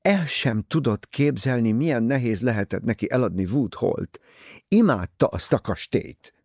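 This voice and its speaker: A man's voice: medium pitch, expressive, darkish tone, no room sound, clean studio sound. A man voicing a prim, disapproving older English mother in an audiobook, scolding and easily offended.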